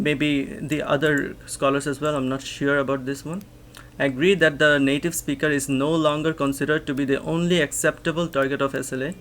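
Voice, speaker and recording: A young man with a Bangladeshi accent, a native Bangla speaker, working through an academic text line by line at his computer. His voice sits a little high, and he thinks aloud, restarting words and checking in with a rhetorical "right?". Faint background noise hums under his webcam recording. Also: a bit bright. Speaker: English teacher and channel host. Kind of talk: reading a research paper aloud and explaining it line by line.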